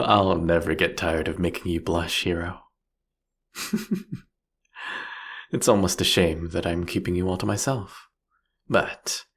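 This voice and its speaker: A man playing a seductive, mocking vampire king in a fantasy audio roleplay, with theatrical, teasing, eloquent delivery and a husky, gravelly voice. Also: sits low, fairly bright tone, exaggerated voice. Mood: playful, possessive.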